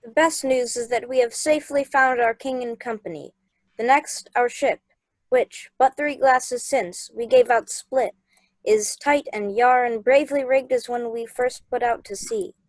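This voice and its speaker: A woman's voice: on the high side, unhurried, no echo, lightly acted. A woman playing an earnest, amazed ship's sailor in a Shakespeare radio play.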